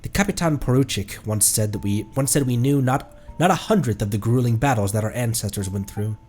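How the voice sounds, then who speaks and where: A man's voice: medium pitch, fairly quick, darkish tone. A man commentating live on a game he plays and reading its text aloud, in a playful, exclaiming manner. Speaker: game streamer. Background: music.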